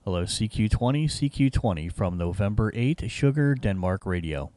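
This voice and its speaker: Male radio hobbyist, lowish voice, methodical call-sign delivery and easy contact talk, slight hiss behind. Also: animated, normal speed, mellow. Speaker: amateur radio operator. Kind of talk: ham radio calls and casual contact. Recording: faint background radio hiss. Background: faint hiss.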